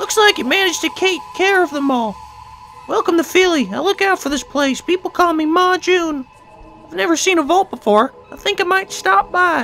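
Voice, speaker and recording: A put-on character voice at extremely high pitch, moderate pace, with clear music in the background. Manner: welcoming.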